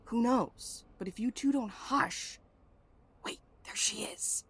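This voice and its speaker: A woman's voice: fairly high pitch, slow pace, slightly rough. A woman acting in an audio drama as a brash, impatient and snarky amateur sleuth with a blunt manner. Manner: blunt, foul-mouthed, bossy.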